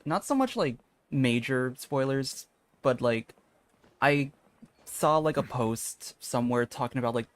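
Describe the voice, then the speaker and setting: A man live streaming a video game, chatting casually and rambling as he thinks aloud. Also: mid-range voice. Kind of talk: casual gaming stream chat.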